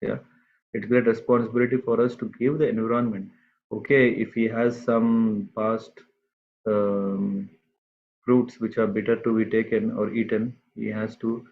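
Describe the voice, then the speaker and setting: A man giving a scripture class to a group, speaking unhurriedly and pausing often with fillers. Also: fairly low pitch, level tone. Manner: unhurried, halting with many fillers. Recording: tinny phone-like line.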